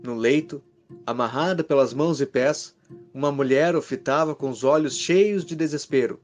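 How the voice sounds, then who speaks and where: A man's voice: medium pitch, moderate pace, faint music behind. A man narrating a scripted horror story.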